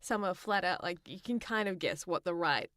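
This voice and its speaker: A woman's voice: lowish voice, lively intonation, normal speed, a bit bright, no echo, studio quality. An Australian woman co-hosting a podcast, chatting casually about games in a giggly, chatty manner. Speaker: podcast co-host. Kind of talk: casual gaming chat.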